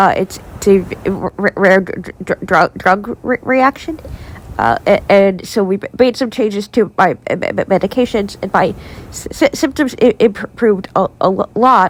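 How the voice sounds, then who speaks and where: A woman at a medium pitch talks at a moderate pace with ordinary pitch variation. The sound is dry and close with no echo, though noticeable background noise is present. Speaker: vlogger sharing health update. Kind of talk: personal video update. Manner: heavy stutter, repeated syllables.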